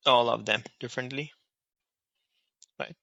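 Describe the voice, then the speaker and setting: A man with a South Asian accent walks through an app in an informal tutorial style. His voice is middle-pitched and strikingly bright and sharp, recorded dry and close. He instructs step by step, repeating himself and checking in. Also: fairly even intonation, unhurried, vocal fry, no echo, dull audio. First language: Hindi or Urdu. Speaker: app reviewer and tutorial host.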